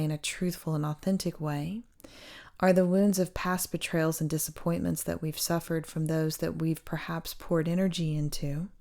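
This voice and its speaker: Low, creaky-voiced woman guiding a meditation. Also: darkish tone. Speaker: meditation guide and sound healer. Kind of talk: guided meditation, spiritual talk.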